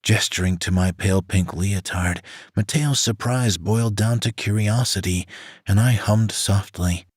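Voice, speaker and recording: A man reading a romance audiobook aloud in the first person, in an even, scripted narration. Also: lowish voice, a little slow, slightly rough, no echo, studio quality. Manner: reads a woman's first-person story in an even voice.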